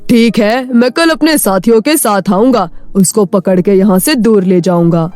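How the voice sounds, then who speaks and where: A woman's voice: mid-range voice, normal speed, darkish tone, no echo, faint music behind, pitched below the performer's own voice, lightly acted. A woman voicing a brazen, menacing male thug in a cartoon moral story. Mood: scheming.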